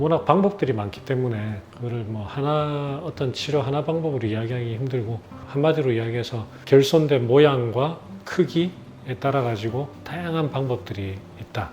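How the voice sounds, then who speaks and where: A man speaks at a medium pitch with ordinary variation and a moderate pace while music plays in the background. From South Korea, Busan. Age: middle-aged. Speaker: orthopedic surgeon. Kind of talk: Q&A reading viewer comments.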